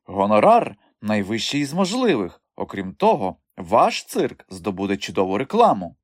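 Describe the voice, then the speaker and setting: Man playing an eager little gentleman agent. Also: lowish voice, huge pitch swings, normal speed, dry recording, studio quality. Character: breathless little gentleman in a hat.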